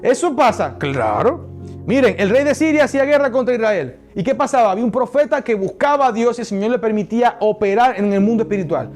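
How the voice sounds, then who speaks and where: High-voiced male pastor preaching. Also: animated, quick pace, a little mellow, soft background music. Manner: emphatic preaching, addresses the congregation directly. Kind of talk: sermon.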